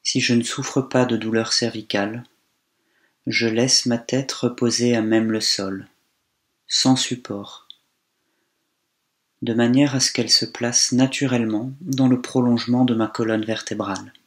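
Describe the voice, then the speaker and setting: A man's medium-pitched voice leads a guided body scan. He keeps things calm and slow, pausing at length after each phrase.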